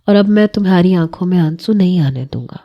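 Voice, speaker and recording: A woman's voice: fairly low pitch, dull audio. A woman voicing a young newly married husband in a romantic audio story, possessive but tender, moving between curt scolding and coaxing affection. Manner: curt when angry, softening to coaxing and affectionate.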